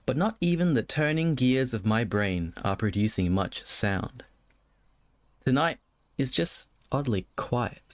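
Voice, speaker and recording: With a medium pitch and lively intonation, this livestreamer runs a horror game stream, alternating between reading story text out loud and casual talk with his viewers. His chatting is frequently halting, with repeated words.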